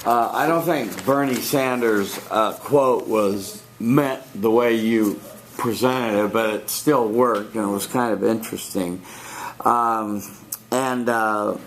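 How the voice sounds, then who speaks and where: Guy teacher giving speech feedback in class, lowish voice, lots of ums and restarts, faint hiss. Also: takes it slowly, rough recording. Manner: conversational, thinking aloud with fillers and restarts. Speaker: speech instructor.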